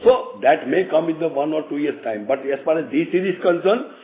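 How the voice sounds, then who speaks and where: A man with an Indian accent answering investor questions on an earnings call as a company executive, explaining in a halting way and repeating words. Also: a little high, expressive. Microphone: telephone conference call. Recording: tinny phone line with clear noise.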